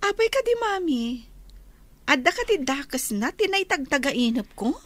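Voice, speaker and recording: An actress playing a dreamy young daughter in a radio drama. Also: female voice, high voice, big pitch swings, moderate pace, fairly bright tone. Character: young woman dreaming of her wedding.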